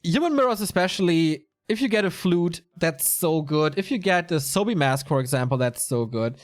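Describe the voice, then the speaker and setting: A man's voice: a little high, expressive, moderate pace. A man giving casual solo commentary on a live strategy game tournament, chatty and answering viewer chat as he goes. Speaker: esports commentator.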